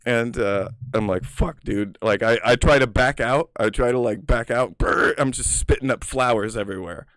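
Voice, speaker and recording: Smooth-voiced man telling stories casually. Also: medium pitch, moderate pace, a bit bright, dry recording, studio quality. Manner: rambling, profane, heavy on filler words, laughs often. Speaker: storyteller. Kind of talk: casual personal storytelling.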